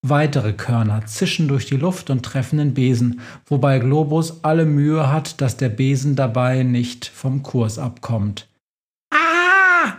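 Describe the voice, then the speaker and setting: Man, children's story narrator, slow, measured, calm, podcast host. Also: mid-range voice.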